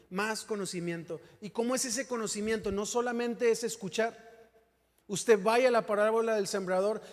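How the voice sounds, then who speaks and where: A pastor gives a joking, conversational sermon and keeps asking the congregation questions. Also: male voice, high-pitched. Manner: jokes and asks the congregation questions. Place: church hall. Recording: church hall with long reverb.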